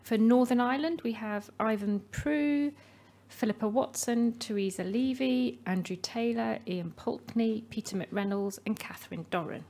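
A woman at a podium reading out election results in a measured, formal way. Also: on the high side, dark tone. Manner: measured, reading names slowly. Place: meeting hall. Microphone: podium microphone.

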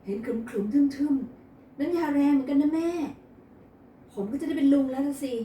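A woman's voice: high voice, lively intonation, normal speed, mellow, voice pushed up. A woman voicing a brash, crude playboy son in a read-aloud romance novel, recorded in an echoey room from a distance. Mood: excited. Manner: crude, teasing.

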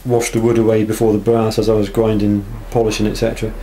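A man's voice: on the low side, monotone, fast talker, mellow, low-quality recording. A man giving a casual, unscripted workshop show-and-tell, speaking hesitantly and with understatement. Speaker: knife maker presenting work. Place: small block-walled workshop. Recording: camera audio with clear background noise.

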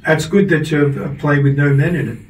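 An Australian man hosting a radio interview, asking relaxed prompting questions. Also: on the high side, fairly quick, a little hiss or hum. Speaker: radio host. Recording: roomy, distant camera audio.

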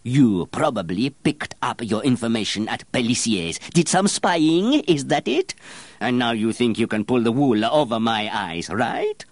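A man's voice: fairly low pitch, sing-song, a little slow, no echo, pitched above the performer's own voice. A man voicing a stern, pompous master perfumer who lectures and scolds a young apprentice. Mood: scornful. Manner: haughty, lecturing, rising to shouts.

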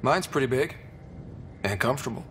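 A man playing a young space explorer commander in a video game, steady, casual and direct. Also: mid-range voice, moderate pace, slight background noise, close to an everyday voice. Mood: easygoing. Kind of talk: video game cinematic acting.

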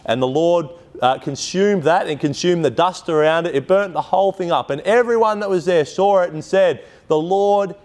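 A man's voice: on the high side, gravelly, a little mellow. Conversational preacher, a man telling stories. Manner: conversational storytelling with frequent asides and restarts. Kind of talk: sermon.

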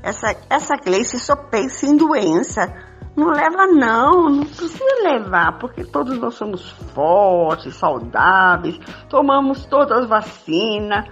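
A woman playing a bold, jealous lover in an amateur radio soap, emphatic and repeating herself, with a husky voice. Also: fairly high pitch, sing-song, a little slow, fairly bright tone, full character voice. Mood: scornful, pleading. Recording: dull lo-fi recording, music behind.

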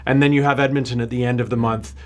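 A man's voice: medium pitch, fairly even intonation, racing. A man in his forties hosting a sports panel in a studio, asking the guests conversational questions on a lapel mic. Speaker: host. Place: studio with panel seated on stools.

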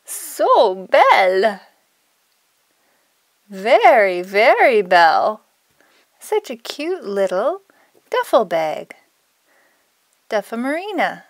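A woman's voice: a little high, very animated, takes it slowly, pauses often, no echo. A woman hosting a toy unboxing for children, narrating playfully in a gushing, exclamatory, sing-song way. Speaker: toy unboxing video host.

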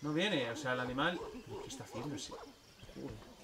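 A man streaming a zoo game, chatting casually and coaxing the animals in a playful, excitable way. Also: mid-range voice, normal speed, far from the mic, crowd noise. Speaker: gameplay streamer. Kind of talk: casual gameplay commentary.

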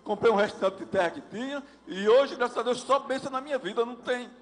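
Man, high pitch, heartfelt witness, reverberant church. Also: fast talker. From Alagoas, Brazil. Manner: earnest storytelling, quoting himself. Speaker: congregant giving testimony. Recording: long hall reverb.

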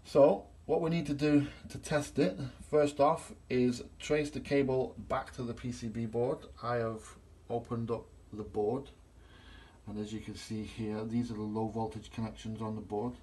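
A man's voice: medium pitch, flat delivery, normal speed, warm tone. A middle-aged man, a gas engineer, plainly explaining a boiler test step by step while filming on his phone in a small workshop. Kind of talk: hands-on repair demonstration. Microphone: phone camera held in hand.

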